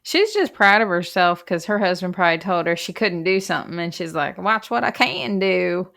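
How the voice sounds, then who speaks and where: A woman's voice: on the low side, expressive, normal speed, creaky, a bit bright. A woman co-hosting a true crime podcast in casual banter, with an irreverent, wisecracking way of talking.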